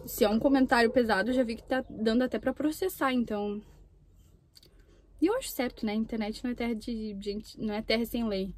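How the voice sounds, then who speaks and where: Between bites of food, a young mukbang YouTuber from Brazil talks casually in her parked car, camera mounted on the dashboard. She has a fairly high, a little mellow voice with fairly even intonation and a fairly quick pace, over slight background noise.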